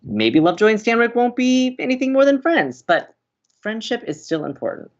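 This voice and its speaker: Gushy excitable college radio girl, super swoopy pitch, audio drama, slightly dull sound. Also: normal speed. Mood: upbeat. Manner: gushing, excitable. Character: effusive, encouraging young college radio co-host. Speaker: college radio co-host character.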